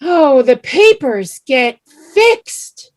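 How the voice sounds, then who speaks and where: Woman acting a high, animated Latina mother. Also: drawn-out words, heavily acted. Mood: hopeful. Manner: coaxing, mixes in Spanish words. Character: vain, spirited Latina immigrant mother, wryly coaxing. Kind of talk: staged play reading.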